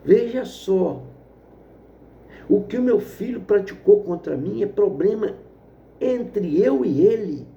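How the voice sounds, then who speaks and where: A man's voice: high voice, animated, slow pace, gravelly, long pauses, warm tone, pitched above the performer's own voice, exaggerated voice. Man voicing a stern farm-owner father. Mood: indignant. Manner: stern, indignant. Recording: echoey dull lo-fi room.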